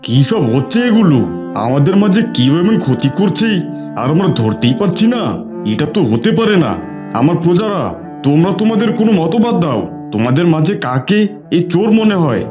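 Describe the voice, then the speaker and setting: A man's voice: a little high, very animated, fairly quick. An actor playing a troubled, commanding lion king in a children's cartoon. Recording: muffled, music behind.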